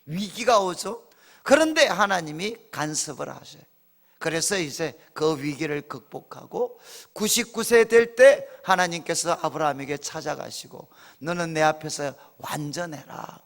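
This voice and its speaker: A man's voice: on the high side, very animated, measured pace, fairly bright tone. A male pastor preaching a sermon in a church, telling stories animatedly with acted quotes. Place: church sanctuary. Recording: reverberant church hall.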